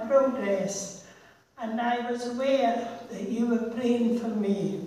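A very slow pace and fairly even intonation come through with strong room echo. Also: woman. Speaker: church member giving testimony. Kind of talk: testimony. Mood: grateful, earnest. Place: church.

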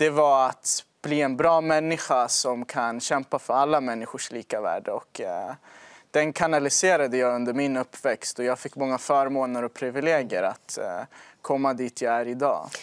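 A man with a fairly high pitch speaks at a moderate pace with fairly even intonation, in a dry sound with no echo against a quiet background. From Sweden, Västerås; Sweden. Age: 20s. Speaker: public speaker; interview guest. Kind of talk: interview. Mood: earnest, engaged. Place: studio. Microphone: lapel.

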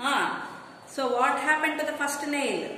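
Light background noise and audible room echo accompany a high-pitched woman. She speaks at a fairly slow pace with monotone, flat intonation. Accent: Telugu. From India, Telugu-speaking region. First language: Telugu. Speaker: school teacher. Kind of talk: lecture. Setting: classroom video recording. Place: classroom. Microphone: phone near.

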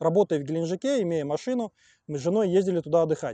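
At a very fast pace, a man with a high pitch, lively intonation and a dark, mellow tone speaks in a dry sound with no echo over a quiet background. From Russia, Saint Petersburg; Russia. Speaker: construction engineer. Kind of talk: interview testimony. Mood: serious, reflective. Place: garden. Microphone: lapel.

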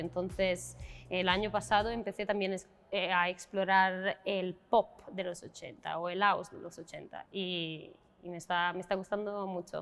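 A woman speaks in an Italian accent at a moderate pace, her intonation monotone and flat. Faint music plays in the background. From Italy. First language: Italian (speaking Spanish). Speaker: singer; interviewee. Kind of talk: interview. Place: hall.

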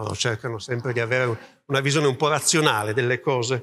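Bright and sharp in tone, a man speaks at a moderate pace. The background is quiet. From Piedmont, Italy. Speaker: linguist; speaker. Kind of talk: public talk at a festival. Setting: hall with live audience. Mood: impassioned, annoyed. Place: hall. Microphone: handheld.

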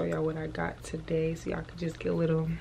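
There is light background noise behind this woman's voice. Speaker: vlogger. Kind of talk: casual vlog chat. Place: home room. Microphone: phone near.

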